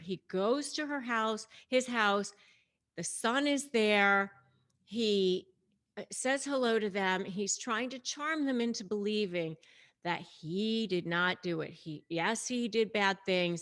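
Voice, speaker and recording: A woman with a medium-pitched voice speaks as a host and coach, explaining things in a casual, conversational way. She stresses her points and talks directly to the listener as she tells the story. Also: a bit bright. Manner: conversational, emphatic, addresses the audience directly. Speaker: host and coach giving advice on narcissists. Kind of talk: casual explanatory commentary to camera, retelling a story.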